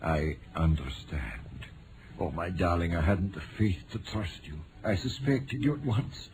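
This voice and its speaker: An actor playing a remorseful, tender husband in a British radio drama, earnest and melodramatic. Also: male voice, low voice, measured pace. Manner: emotional, melodramatic. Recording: noisy vintage radio broadcast.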